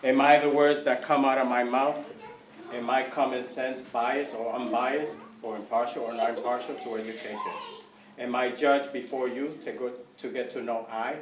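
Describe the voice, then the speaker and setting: A man performing spoken word poetry, measured and repetitive, guiding the audience. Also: mid-range voice, steady tone. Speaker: poet performer. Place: community event hall. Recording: echoey room, mic from far off, faint noise.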